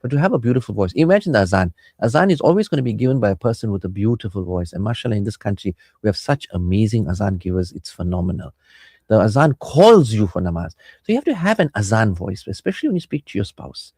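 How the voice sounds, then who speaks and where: A man's voice: fairly low pitch, big pitch swings, quick pace, darkish tone, husky, dry recording, clean studio sound. A man with a South African Indian accent chatting casually as a radio host and counsellor, playful and rambling. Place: radio studio.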